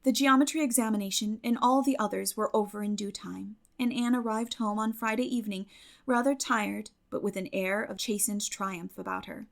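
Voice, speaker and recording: A woman audiobook narrator reading literary fiction expressively, with measured storytelling phrasing. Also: mid-range voice, fairly even intonation, gravelly.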